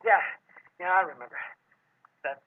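A man's voice: high-pitched, animated, normal speed. An actor playing a vicious but cowardly henchman in a 1940s radio crime drama. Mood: frightened pleading. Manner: threatening, then frantic stammering pleading. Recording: muffled, noisy vintage radio recording.

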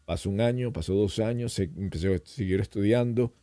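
A man's voice: fairly low pitch, fairly quick, no echo. A middle-aged man, a podcast guest, telling stories in casual conversation and slipping into voices and accents as he goes. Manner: animated storyteller who slips into voices and accents.

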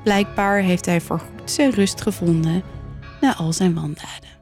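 A woman podcast host narrating a folk tale in a clear, steady storytelling manner. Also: fairly low pitch, measured pace, soft background music.

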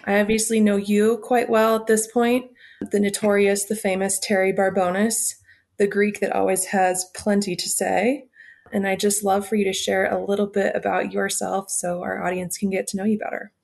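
Flat-voiced, gravelly woman interviewer. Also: mid-range voice, normal speed. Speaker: co-producer interviewing the host. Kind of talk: casual podcast interview.

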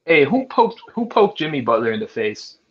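A male podcast host in a casual sports chat who talks in an excitable, slangy way. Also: a little high, moderate pace, breathy edge. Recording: dull lo-fi sound.

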